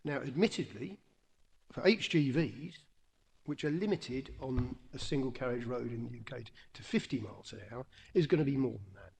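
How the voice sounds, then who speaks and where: Hesitant English councillor, gravelly voice. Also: male voice, mid-range voice, moderate pace, a little mellow. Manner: hesitant, lots of ums, conversational. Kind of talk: unscripted committee remarks. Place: council chamber. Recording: council webcast with long hall reverb.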